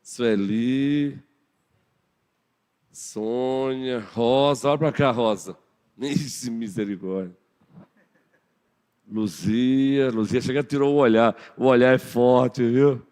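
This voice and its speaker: A pastor with a Brazilian Portuguese accent delivers a Sunday morning sermon in a church sanctuary, playfully teasing his congregation. His medium-pitched voice is slow, smooth and a little mellow, and the hall adds long reverb.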